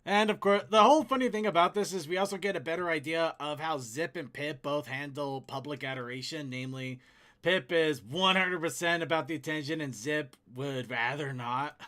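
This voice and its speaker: High, bright-voiced man hosting casual commentary. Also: normal speed. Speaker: host.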